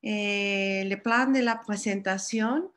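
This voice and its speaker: A Mexican woman with a Spanish accent speaks slowly and haltingly, searching for each word. She is presenting academic research over an online video call. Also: medium pitch, a bit bright. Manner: careful, halting, searching for words. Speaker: guest speaker, doctoral researcher.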